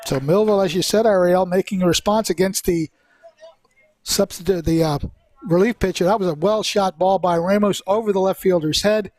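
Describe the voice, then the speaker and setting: A man with a notably high-pitched voice works as a play-by-play baseball commentator. He calls the action live in a conversational way, adding his own asides. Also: a little fast, a little mellow, no echo.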